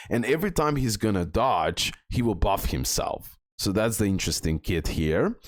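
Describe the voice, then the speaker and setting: A man's voice: fairly low pitch, no room sound, studio quality. A man giving casual game commentary as a video host, rambling and repeating words with many fillers.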